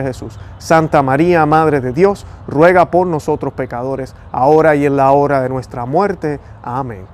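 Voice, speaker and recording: A man's voice: on the high side, a little mellow. A Puerto Rican man with a Puerto Rican accent, hosting a Catholic video with earnest devotional talk and prayer. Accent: Puerto Rican Spanish. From Puerto Rico. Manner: fast-talking, earnest, prayerful.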